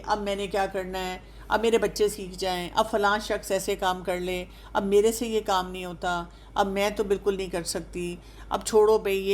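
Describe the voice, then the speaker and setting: A woman counselor giving an earnest advice talk to older listeners, coaxing them with rhetorical questions and mixing English words into her speech. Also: medium pitch. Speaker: counselor and speaker on aging.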